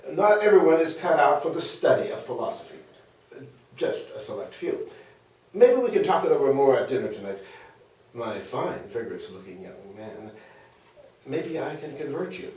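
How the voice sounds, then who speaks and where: A man's voice: on the high side, moderate pace, pauses often, warm tone, natural voice. A man at a table read playing a wry, self-deprecating old philosopher in a comedy, hesitant and playfully pompous. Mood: genial, wry. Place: small meeting room around a table. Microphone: far camera or table recorder. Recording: very echoey meeting room, distant mic.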